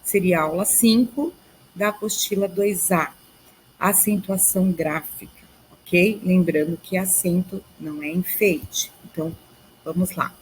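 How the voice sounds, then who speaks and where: A woman's voice: on the low side, unhurried, slight background noise, rough recording. A woman with a Brazilian Portuguese accent teaching a recorded grammar video lesson, explaining step by step and checking in with her students.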